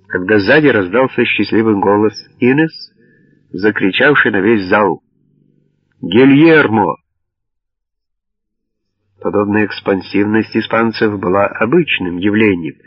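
Man, audiobook narrator, measured reading, low voice, lo-fi sound. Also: no echo. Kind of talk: scripted narration. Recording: dull lo-fi dry audio.

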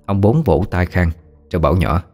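Deep-voiced male story narrator. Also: lively intonation, brisk, a little mellow, faint music behind.

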